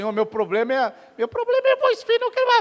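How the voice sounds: A man puts on a character voice. He speaks at a fairly quick pace.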